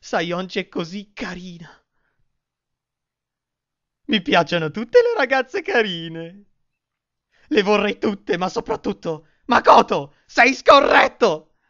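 Dull lo-fi recording, man playing teenage anime schoolboy, girl-crazy, excitable, melodramatic, widely swinging pitch, fan-dub style. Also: slow pace, long pauses, exaggerated voice. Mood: whiny, frustrated. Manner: melodramatic, swinging between outbursts and hushed lines.

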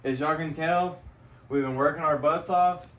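A man's voice: a little high, fairly even intonation, normal speed, a bit bright, far from the mic. A man hosting a casual vlog, folksy and heartfelt, laughing often as he talks. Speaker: channel host.

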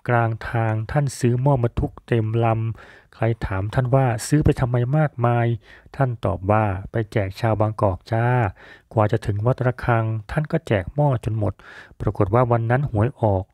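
A man tells an old folk tale in a calm, measured storytelling voice. His tone is mellow and relaxed. The recording is dry and close. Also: medium pitch, no echo. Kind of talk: storytelling narration.

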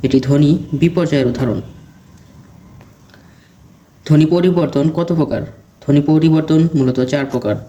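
A man teaching exam preparation, reading out quiz questions and then giving each answer in a steady question-and-answer recitation. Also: a little high, moderate pace, pauses often, dull audio.

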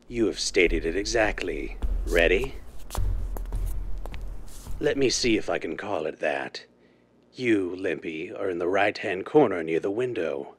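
An actor playing a blind, cold criminal mastermind in a deliberate, commanding, theatrical 1930s radio drama style. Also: male voice, low-pitched, lively intonation, breathy edge, exaggerated voice. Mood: controlled, menacing. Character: blind, cold, menacing male crime mastermind called the Owl. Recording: noisy vintage-style radio drama recording.

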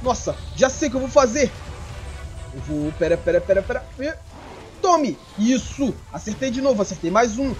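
A young Brazilian man with a Brazilian Portuguese accent, narrating a game in character as his creature, excitable and quick to shout in panic. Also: very high-pitched, faint music behind. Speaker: gameplay streamer. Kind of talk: in-character gameplay commentary.

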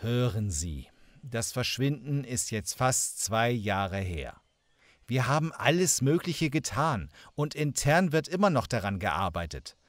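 An actor playing a tired police inspector brushing off an angry visitor in a radio drama, curt and dismissive. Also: male voice, mid-range voice, very animated, unhurried, dry recording. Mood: annoyed. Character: tired, weary male police inspector at home.

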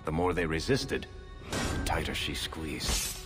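An actor playing a grave storyteller, narrating a video game in an ominous, deliberate way. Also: male voice, rumbling low. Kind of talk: dramatic scripted game narration. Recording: game audio with loud music.

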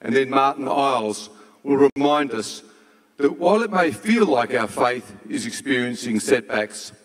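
A man in his sixties hosting an event from a stage, speaking formally in a measured, solemn way. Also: mid-range voice, expressive. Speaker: event host. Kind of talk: formal stage introduction and prayer. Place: large auditorium stage. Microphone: handheld microphone. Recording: hall reverb from stage PA.

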